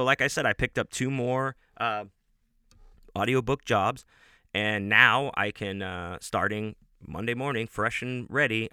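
A man's voice: lowish voice, bright, forceful tone, dry recording, clean studio sound. A man hosting his own show, talking casually and at length with many restarts and fillers, and swearing now and then. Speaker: podcast host and audiobook narrator. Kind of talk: casual rambling monologue.

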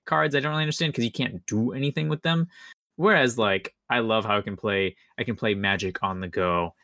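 A man's voice: fairly low pitch, sharp tone, no echo, clean studio sound. A man co-hosting a podcast, chatting casually in an informal, rambling way. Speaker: podcast co-host.

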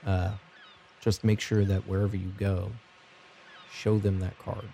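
A man's voice: low-pitched, little pitch movement, unhurried, creaky, dark tone, slight background noise. A man voicing a stern, curt recruiter dressed in black garb in a tabletop game. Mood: grudging.

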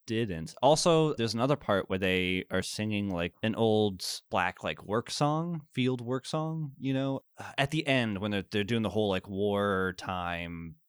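Brief: young male podcast co-host, low pitch, rambling and giggly, dry close sound. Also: animated, measured pace, hardly any pauses, smooth, dry recording. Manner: rambling, laughing, many fillers. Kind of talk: casual film review chat.

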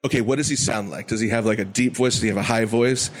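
A man playing an excitable, scheming young shopper in a comedy sketch, gushing and repeating himself in youthful slang. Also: medium pitch, fast talker, close to an everyday voice. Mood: scheming, eager. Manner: gushing, exclamatory, repetitive, teen-like slang.

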